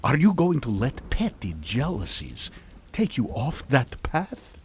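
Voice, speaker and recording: A man playing a dry, unflappable older mad scientist in a comic radio drama, deadpan and theatrical. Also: medium pitch, measured pace, slight background noise. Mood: persuasive. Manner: deadpan, theatrical, swinging into urgency.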